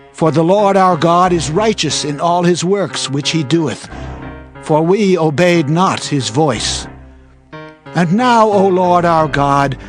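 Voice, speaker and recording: Casting: male actor as humble, devout prophet for scripture audio drama, fairly high male voice, earnest and declamatory, music underneath. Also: close to an everyday voice. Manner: earnest, solemn, declamatory pleading.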